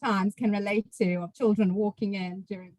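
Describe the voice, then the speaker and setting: A woman's voice: medium pitch, steady tone, fairly quick, darkish tone, no echo, rough recording. A woman with a strong South African accent, a finance chief telling a funny story on a video call. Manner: storytelling, laughs through anecdotes. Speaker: CFO, panelist.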